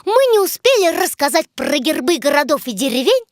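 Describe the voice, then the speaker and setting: A woman's voice: sits high, big pitch swings, brisk, no echo, clean studio sound. A woman playing an enthusiastic young female presenter in a children's educational cartoon, speaking expressively and theatrically. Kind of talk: scripted cartoon dialogue.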